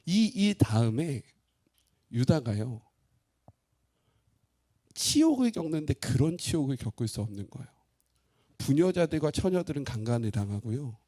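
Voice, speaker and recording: A man pastor preaching a sermon expressively, asking his congregation questions and swinging between loud and hushed. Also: medium pitch, sing-song, unhurried, long pauses.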